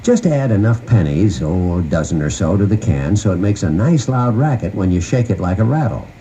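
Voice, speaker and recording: A man's voice: deep voice, expressive, a little fast, mellow. A man giving scripted instructional narration in a folksy, conversational manner, recorded on an old cassette tape. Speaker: host of a puppy training guide tape. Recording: noisy 1990 cassette tape transfer.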